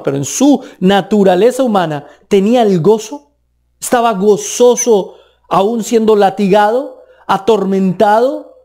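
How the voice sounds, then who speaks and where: Colombian preacher man, mellow voice. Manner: emphatic, rising and dropping pitch for stress. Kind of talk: sermon.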